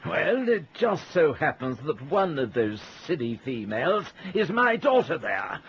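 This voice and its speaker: A man's voice: on the high side, very animated, a little slow, a little hiss or hum. A man playing an indignant, pompous older father who blusters in a radio drama, slightly muffled recording.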